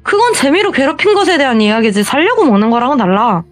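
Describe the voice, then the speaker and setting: Woman acting a fierce young shaman, scornful and scolding, high and lively, dry close sound. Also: fast, faint music behind.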